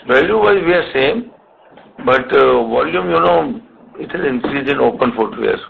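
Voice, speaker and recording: A man with an Indian accent answering questions as a company executive on an earnings call, in a halting way with repeated words. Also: fairly high pitch, lively intonation, vocal fry, slight background noise. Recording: muffled narrow phone conference line.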